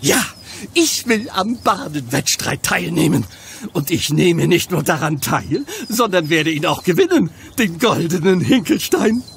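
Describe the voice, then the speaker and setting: An actor playing a vain, touchy village bard in a comic audio play, declaiming pompously and theatrically. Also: male voice, on the high side, very animated, unhurried, creaky, a bit bright, exaggerated voice. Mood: indignant.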